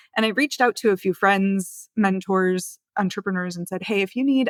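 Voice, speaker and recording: An unremarkable speaking voice with an American accent moves at a fairly quick pace with lively intonation. The sound is dry and close with no echo, on a very clean recording with a silent background. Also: woman. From United States. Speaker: copywriter. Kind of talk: casual interview chat.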